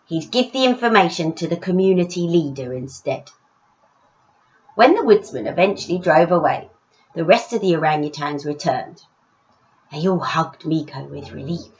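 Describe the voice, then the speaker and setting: A woman author reading her own story aloud in an expressive children's storytelling style. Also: sits low, moderate pace, dull audio.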